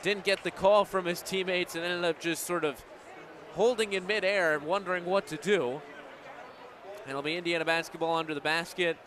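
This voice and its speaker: Young man, American accent, high voice, live sports play-by-play, noisy venue behind. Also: fairly even intonation, normal speed, fairly bright tone. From United States. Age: young adult. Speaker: radio play-by-play broadcaster. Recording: live game broadcast, crowd noise behind. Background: crowd and game noise.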